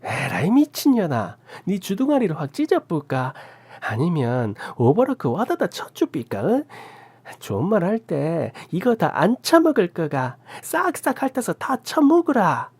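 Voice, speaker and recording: A woman's voice: sits low, huge pitch swings, breathy edge, voice pushed up, exaggerated voice. A woman voicing a tiny, hunched old aunt with a Gyeongsang accent who scolds and curses fiercely. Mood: ranting. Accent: Gyeongsang Korean. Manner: scolding, cursing, drawn-out shouts.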